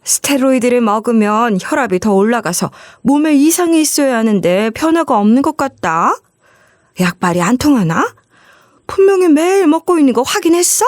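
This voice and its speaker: A woman voicing a brazen, scheming older mother-in-law, shrill and scolding. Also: sing-song, moderate pace, darkish tone, no room sound, clean studio sound. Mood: prying.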